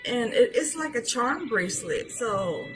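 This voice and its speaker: A middle-aged woman with a hoarse voice, chatting casually as she shows jewelry to a webcam in a small room. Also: fairly high pitch, animated, over music, rough recording. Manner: chatty, slow, showing items up close. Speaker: jewelry seller. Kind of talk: live sales show chat. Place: small decorated room indoors. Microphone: webcam at arm's length.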